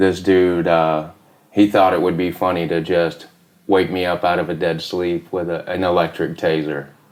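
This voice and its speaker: A man with an Appalachian accent, very deep and low in pitch, monotone and flat, at a moderate pace. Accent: Southern US (Appalachian). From US South, East Tennessee near Knoxville. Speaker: war veteran. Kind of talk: podcast interview, personal testimony. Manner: halting, many fillers and restarts.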